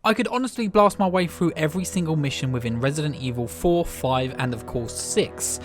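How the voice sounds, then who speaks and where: A slightly hoarse man hosts a scripted video essay, speaking earnestly and with clear enthusiasm. His voice sits a little higher than most men's. Music plays steadily underneath. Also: brisk. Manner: earnest, enthusiastic reflective delivery.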